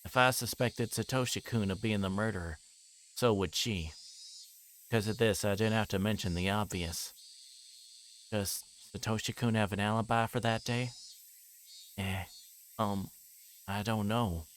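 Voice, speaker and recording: A man livestreaming a visual novel, reading its text aloud and breaking into casual, rambling commentary as he thinks out loud. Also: lowish voice, steady tone, measured pace, long pauses, slight background noise.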